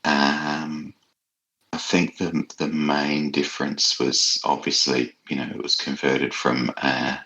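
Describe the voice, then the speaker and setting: Male guest author, thoughtful and conversational, extremely low with plenty of vocal fry. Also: level tone, slow pace, bright, forceful tone, poor audio. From Australia. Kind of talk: casual interview answers. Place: child's bedroom at home.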